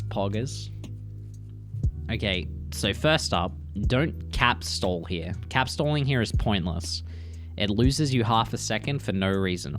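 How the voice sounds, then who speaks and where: A man who is a speedrunner and streamer, giving casual, blunt, teasing commentary on gameplay with gamer slang and swearing. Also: lowish voice. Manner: blunt, teasing, exasperated critique.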